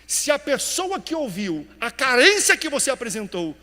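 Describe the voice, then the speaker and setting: A male pastor preaching a sermon with animated emphasis, dropping quiet and then rising loud. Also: very high voice, moderate pace, big-room sound.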